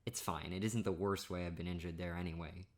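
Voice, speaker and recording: A man doing a soft, playful boyfriend ASMR monologue, self-mocking and laughing often. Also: low voice, steady tone, fairly quick.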